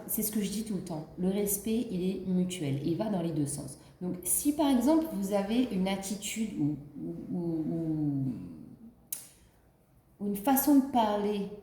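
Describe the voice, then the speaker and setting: A woman who has the flu gives a casual spiritual card reading, rambling with plenty of fillers and restarts. Her voice is mid-range with a dark tone, and the recording has a roomy sound.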